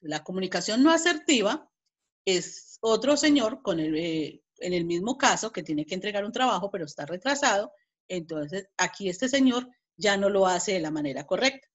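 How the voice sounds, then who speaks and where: On a lo-fi recording, a woman with a Colombian Spanish accent teaches an online class at normal speed in a mid-range voice with lively intonation. She explains step by step, with frequent restarts and repeated words, and reads example dialogues aloud with emphasis.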